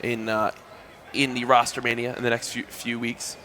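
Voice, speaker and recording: A man with a bright, forward voice, bantering with his co-caster while they wait for a match to start. He keeps it light, joking and easygoing, over faint background noise. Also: medium pitch, level tone, moderate pace. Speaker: esports commentator.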